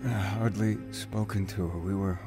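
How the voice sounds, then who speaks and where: A man's voice: on the low side, steady tone, music in the background, close to an everyday voice. Actor as weak, stammering wounded man. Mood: weak, dazed grief. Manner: halting, stammering, repeating himself. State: weak, coughing, distressed. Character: badly wounded, grief-stricken male survivor of a space wreck. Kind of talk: audio drama acting.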